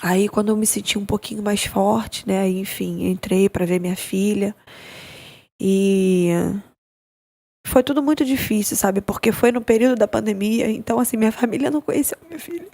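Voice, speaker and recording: A young adult woman, giving an emotional personal account as a podcast guest, halting and repeating her words. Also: mid-range voice, mellow. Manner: halting, with many repeated words and tag questions.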